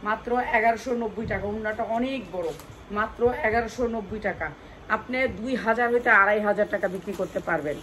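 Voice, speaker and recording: A woman with a Bangladeshi accent doing an insistent hard-sell live sales pitch for wholesale clothing, repeating key phrases and prices over and over. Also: fast, a bit bright, slight background noise, rough recording. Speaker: clothing wholesale seller presenting stock.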